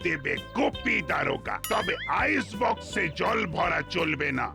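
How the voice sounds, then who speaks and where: A man voicing a pompous, excitable, blustering police inspector in a comic cartoon. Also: high-pitched, a little slow, vocal fry, music in the background, heavily acted. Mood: bossy, eager.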